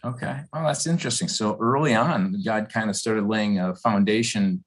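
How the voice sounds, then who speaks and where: Husky-voiced pastor interviewing guests. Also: male voice, lowish voice, moderate pace. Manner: friendly, restates answers to clarify. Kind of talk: church podcast interview.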